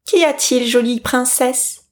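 A woman's voice: high voice, slow pace, voice pushed up. A woman doing a pushy talking toad. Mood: coaxing. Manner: insistent, coaxing pleas. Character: slimy, persistent talking toad, male.

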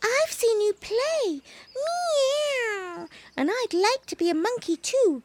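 Baby Bush Cat, a woman doing a squeaky pleading kitten. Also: expressive, takes it slowly, very noisy, exaggerated voice. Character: eager little male kitten, pleading and whiny.

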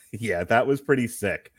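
A man's voice: mid-range voice, measured pace, no room sound, clean studio sound. A man hosting a live fight-night stream, chatting casually with jokey asides and frequent laughs. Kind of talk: casual live commentary chat.

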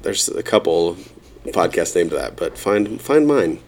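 A man's voice: low-pitched, expressive, a little slow, a little mellow. A man in his thirties, co-hosting a podcast, chatting casually and joking about himself. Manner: joking, self-deprecating. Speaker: podcast co-host. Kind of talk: casual chat.

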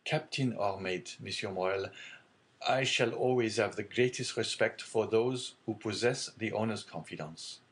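A man reading aloud and voicing an earnest, respectful young sailor who speaks gravely and eagerly. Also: on the low side, measured pace, lightly acted. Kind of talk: audiobook character reading.

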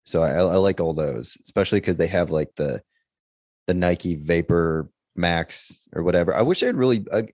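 A man's voice: deep voice, lively intonation, moderate pace, a little mellow, no echo, clean studio sound. A man co-hosting a podcast, chatting casually with rambling conversational asides. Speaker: podcast co-host. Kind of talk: casual chat.

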